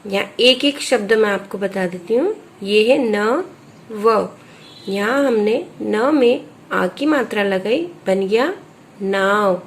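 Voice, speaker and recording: A woman teaching a slow phonics lesson to young children, patiently spelling out each letter and vowel sign one at a time. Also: medium pitch, slight background noise. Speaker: primary school teacher.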